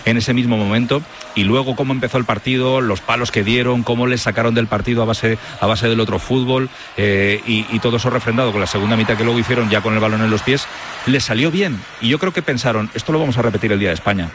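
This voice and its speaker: A man's voice: medium pitch, background noise. A man giving football analysis on a radio show, laying out long arguments and restarting his phrases as he goes. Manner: rapid, restarts phrases, lays out arguments at length. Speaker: sports radio commentator.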